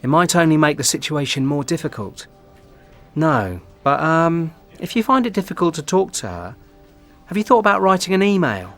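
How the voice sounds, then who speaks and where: A man's voice: a little high, big pitch swings, moderate pace, a bit bright, faint music behind. A man performing a scripted office conversation for an English course, offering suggestions in a persuasive tone. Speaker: dialogue actor in course audio. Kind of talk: scripted role-play dialogue.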